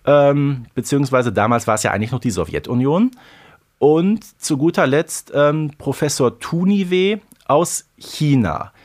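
A man's voice: a little high, unhurried, a little mellow. Man co-hosting a chatty podcast. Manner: colloquial, full of idioms, emphatic. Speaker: podcast co-host. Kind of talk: casual chat reviewing a radio play.

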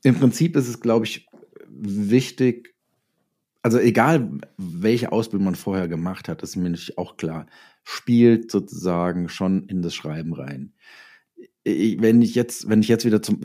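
A middle-aged man with a lowish, dark and soft-edged voice. He talks casually as a guest in an interview, telling anecdotes in a conversational storytelling way with snippets of quoted dialogue. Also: a little slow. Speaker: interview guest, author and filmmaker.

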